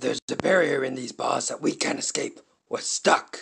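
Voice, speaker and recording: A man does a put-on character voice at a high pitch and a moderate pace. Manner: friendly, calm.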